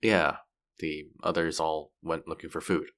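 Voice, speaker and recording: Man acting a low, gravelly, cocky fantasy rogue. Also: flat delivery, a little slow, fairly bright tone, heavily acted. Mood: playful banter. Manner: teasing, foul-mouthed, sardonic banter. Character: cocky, bratty young male fantasy rogue, street rat. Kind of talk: character roleplay audio drama spoken to the listener.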